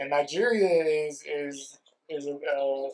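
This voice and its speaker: A man's fairly high-pitched voice. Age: 30s. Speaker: podcast host. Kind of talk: casual interview. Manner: halting, many fillers.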